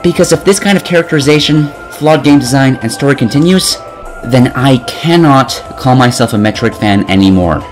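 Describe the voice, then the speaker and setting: A man's voice: mid-range voice, expressive, fairly quick, faint music behind. A twenty-year-old man narrating a scripted video game review in a sarcastic, opinionated way. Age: 20 years old.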